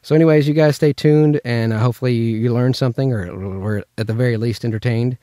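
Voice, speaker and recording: A man's voice: medium pitch, steady tone, fast, warm tone, no room sound, studio quality. A man from Memphis in the United States, chatting informally as he teaches voice acting through anecdotes. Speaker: voice actor teaching character voices. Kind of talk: casual instructional chat.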